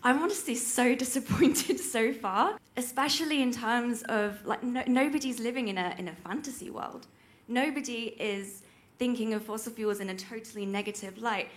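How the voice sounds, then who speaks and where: A woman's voice: a little high, moderate pace. A young woman in the audience, speaking earnestly and with animation. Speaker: audience member.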